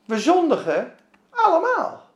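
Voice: very high voice, huge pitch swings, measured pace. A Bible study teacher giving emphatic Bible study teaching and putting rhetorical questions to the group. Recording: roomy echo.

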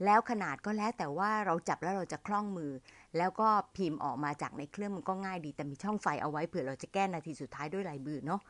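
A middle-aged woman with a Thai accent gives a warm, chatty lesson on hosting events, speaking to her listeners like an older sister. Her voice sits at an ordinary pitch. The recording is dry and close, with no room sound. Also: no room sound. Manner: friendly, addresses listeners as younger siblings, slows to model English phrases. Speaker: MC trainer teaching younger listeners. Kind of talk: casual spoken lesson.

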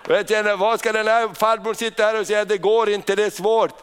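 A man's voice: high-pitched, level tone, a bit bright. A man preaching a sermon in church, telling a personal testimony story with frequent hallelujahs and amens. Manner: storytelling, frequent "hallelujah" and "amen", tag questions.

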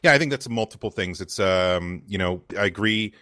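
Male co-host, very deep voice, unscripted and rambling, casual gamer talk. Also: moderate pace, pushed and bright. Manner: rambling, lots of fillers. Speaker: co-host of a gaming community show. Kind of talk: casual chat.

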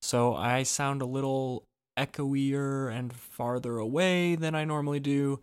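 A man co-hosting a podcast in casual chat, relaxed and quick to laugh, recorded on a laptop microphone. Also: mid-range voice, clean tone. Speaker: podcast co-host and editor. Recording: echoey, distant laptop mic with fan noise.

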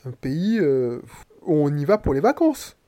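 A man's voice: a little high, very animated, measured pace, warm tone. A man from Martinique with a head cold, a podcaster and coach talking bluntly and slangily straight to the listener in a casual monologue.

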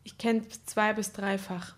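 A woman's voice: medium pitch, steady tone. A woman in casual chat, adding skeptical remarks and corrections. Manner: skeptical, quick interjections and corrections.

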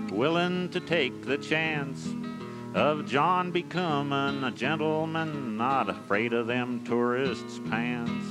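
A man's voice: medium pitch, poor audio. A man reciting rhymed cowboy poetry as a folksy storyteller in rustic dialect. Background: loud plucked guitar music.

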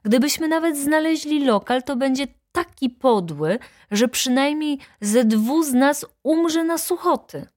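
An insolent young male student, voiced by a woman narrator mocks with a syrupy, sly sweetness. He drawls his excuses in a storybook reading, slightly higher than the narrator. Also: animated, unhurried, a little mellow, no echo, clean studio sound. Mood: mocking. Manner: sugary, sly and mocking.

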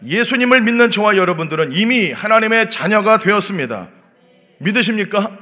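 A man's voice: sits high, animated, fairly quick, pushed and bright. A man preaching an early morning sermon, emphatic, firing rhetorical questions at the congregation. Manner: acts out the devil's taunts in a mocking voice. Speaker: pastor.

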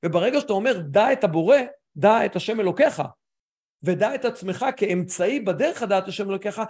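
A man who is a mental coach, speaking as a guest in a casual video-call conversation, animated and stop-start with many restarts. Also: sits high.

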